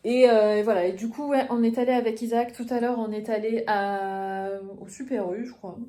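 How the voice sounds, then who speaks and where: A woman's voice: a little high, fairly even intonation, normal speed, dark tone. A woman in her thirties from northern France, chatting and confiding to camera in a casual vlog, with many fillers. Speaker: vlogger.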